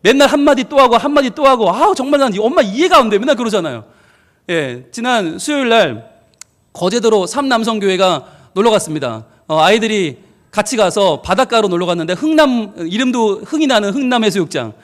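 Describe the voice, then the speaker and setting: High-voiced, lively man preaching. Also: fairly quick. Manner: lively storytelling, acting out quoted family arguments; asks the congregation questions. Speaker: pastor. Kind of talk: family-service sermon.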